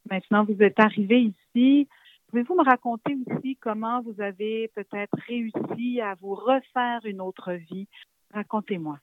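A woman interviewer who asks slow, gentle, encouraging questions. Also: on the high side, no room sound. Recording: dry phone-line audio.

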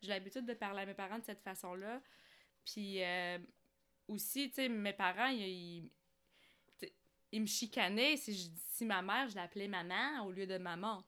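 A woman's voice: mid-range voice, normal speed, bright, forceful tone, smooth. A woman from Algeria chatting casually as a podcast guest, telling personal stories. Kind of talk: casual conversational storytelling.

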